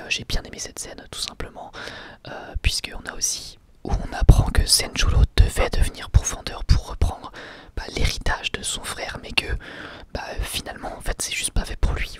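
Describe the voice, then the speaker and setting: A man's voice: a little high, fairly bright tone. A man giving a whispered ASMR review of an episode, hesitant, with many fillers and restarts.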